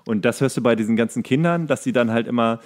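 A man with a medium-pitched voice chats as a podcast co-host. He comments casually on television, stretching some phrases and leaning hard on others. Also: fast, a little mellow. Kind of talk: casual chat, TV show commentary.

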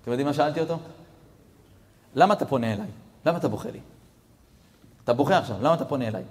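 A man, a rabbi, giving a storytelling sermon that swings between hushed passages and near-shouted peaks, talking straight to his audience. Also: mid-range voice, animated. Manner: addresses audience directly. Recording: long reverb of a hall.

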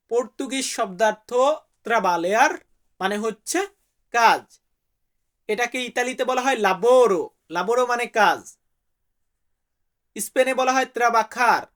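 A friendly vocabulary lesson comes from a Bangladeshi man whose voice is high and a touch bright. He says each word twice so his audience can repeat it, and he calls them brother.

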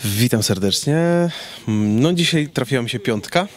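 A man's voice: medium pitch, expressive, normal speed. Easygoing man in a casual interview. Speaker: interviewed singer. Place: outdoors in a garden with trees. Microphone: handheld reporter microphone.

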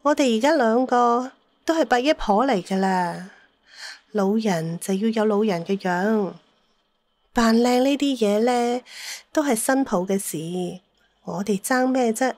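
A woman's voice: a little high, unhurried, darkish tone, no echo. Elderly matriarch, acted by a woman, radio play: strong-willed, needling, mock-aggrieved, dry sound. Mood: chiding. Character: strong-willed, bossy, teasing elderly mother.

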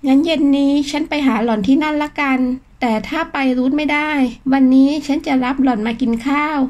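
A man's voice: extremely high pitch, steady tone, a little fast, darkish tone. A woman voicing a flamboyant, pushy man who coaxes a younger friend to go out, in an audiobook. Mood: coaxing. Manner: bossy, playful coaxing.

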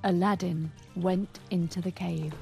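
A woman narrating a children's story in English with a clear, teacherly manner. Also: fairly low pitch, steady tone, a little slow, warm tone, faint music behind.

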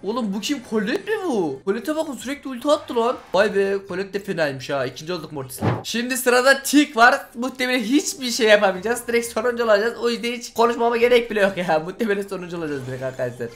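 Rapid and excitable, a young man with a high-sitting voice hosts a gaming channel, repeating phrases and yelling at the game as he comments on his play. A little hiss or hum can be heard.

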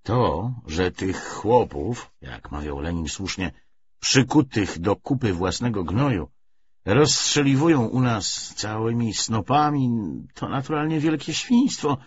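Low husky man reading a novel. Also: expressive, slow, lo-fi sound. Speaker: audiobook narrator. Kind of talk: scripted literary narration.

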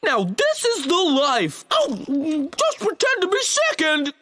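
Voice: sits high, wildly swooping pitch, slow pace, bright, forceful tone, heavily acted. An actor voicing a lazy, gluttonous, childlike male bear in a cartoon, whiny and sheepish. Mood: lazy, feigning. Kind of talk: cartoon dubbing.

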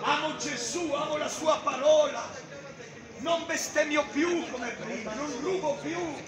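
A middle-aged man preaching loudly on a busy town street, declaiming and gesturing, filmed from a distance by a camera. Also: very high-pitched, a little slow. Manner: loud, declaiming, gesturing with a Bible. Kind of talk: open-air street preaching. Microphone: far camera. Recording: echoey street with crowd noise. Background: crowd and passers-by.

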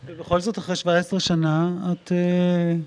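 A man in his forties with an Israeli accent, hosting a live interview and telling anecdotes in an expressive, emphatic way. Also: high voice, clean tone. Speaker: host, interviewer. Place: public talk in a library room. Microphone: handheld microphone.

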